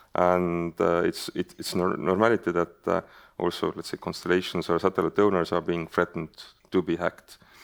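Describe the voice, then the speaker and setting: Flat, monotone intonation and an Estonian accent come through in a very clean recording with a silent background and a dry, close sound with no echo. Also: man, very deep, low pitch for a man, fairly quick pace. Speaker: panel moderator. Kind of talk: conference panel moderation. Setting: conference stage with audience. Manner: halting, many fillers.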